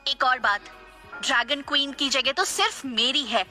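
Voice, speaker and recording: A woman's voice: high-pitched, expressive, moderate pace, bright, forceful tone, faint music behind, full character voice. A woman voicing a sneering phoenix goddess. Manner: arrogant, sneering. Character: haughty scheming phoenix goddess, adult woman.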